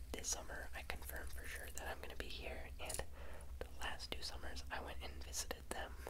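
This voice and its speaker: A man whispering at a fairly quick pace over loud background noise. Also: very even loudness. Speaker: ASMR creator. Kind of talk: ASMR whisper ramble. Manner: whispered. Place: home room. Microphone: studio mic.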